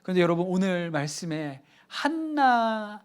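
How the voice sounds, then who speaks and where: A man's voice: high-pitched, big pitch swings, moderate pace, smooth. A middle-aged man preaching a sermon as pastor, earnest and emphatic, acting out quoted dialogue.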